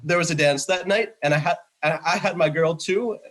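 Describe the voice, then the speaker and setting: A man reading the part of an eager, excitable student boy in a stage play over a video call. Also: a little high, fairly quick, close to an everyday voice. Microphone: video call microphone.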